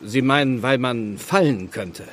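An actor playing an earnest, self-righteous village reverend in a German radio play, with a solemn, formal and guarded delivery. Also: male voice, mid-range voice, a little slow, natural voice. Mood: uneasy. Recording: echoey stone church space, noisy background.

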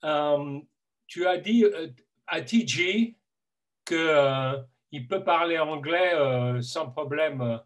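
A man in his fifties hosts a video call from a room at home. He talks slowly, hesitating over his words, and his voice sits a little high for a man. He teases his guests now and then. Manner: hesitant, many fillers, playful teasing. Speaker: host. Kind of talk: casual video call chat.

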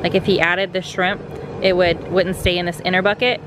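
A vlogger in her thirties films a cooking video on an outdoor deck, chatting casually with her viewers and calling them "you guys." Her voice sits lowish and flat, moving at a moderate pace over a noisy background.

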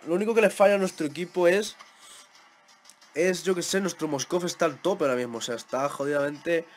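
A young man with a Spain Spanish accent giving excitable live gameplay commentary, repeating words in quick bursts as he plays. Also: fairly high pitch, slight background noise. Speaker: gaming YouTuber.

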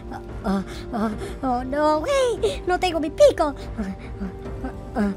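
A woman's voice: high voice, wildly swooping pitch, slow, music in the background. A woman hosting a gaming video, giving theatrical, slangy, profane Minecraft roleplay commentary full of exclamations. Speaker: gaming video creator and host.

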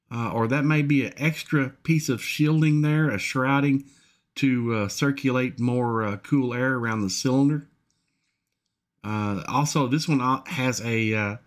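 Halting, folksy man giving a casual update. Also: medium pitch. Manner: halting, hesitant, folksy phrasing. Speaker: host of an engine repair channel. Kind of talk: casual off-the-cuff product update.

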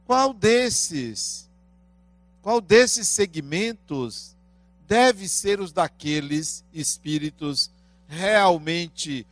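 A man in his fifties from Brazil giving a spiritist lecture into a handheld microphone in a small room, asking rhetorical questions in a measured way. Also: on the high side. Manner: slow, deliberate, rising and falling in loudness.

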